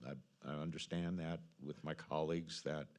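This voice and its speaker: A man speaking as mayor at a council meeting, halting and repeating words as he works through his point. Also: rumbling low, level tone, a little mellow. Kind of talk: formal meeting discussion.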